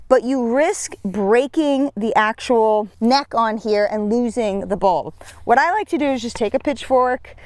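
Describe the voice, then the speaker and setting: A woman's voice: fairly high pitch, darkish tone. A young woman giving a chatty, upbeat gardening tutorial outdoors on a farm. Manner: chatty, self-deprecating, upbeat. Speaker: seed company gardener.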